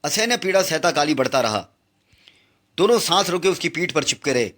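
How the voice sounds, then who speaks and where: A man's voice: a little high, expressive, brisk, fairly bright tone. A man reading a comic book aloud with dramatic, exclamatory narration.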